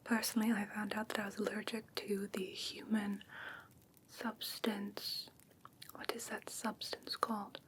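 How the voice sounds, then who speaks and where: A woman playing a curious, haughty fae creature in an ASMR fantasy roleplay, whispering softly in a hesitant, musing, gently condescending way. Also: mid-range voice, flat delivery, a little slow, lightly acted. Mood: wryly amused. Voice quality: soft breathy whisper.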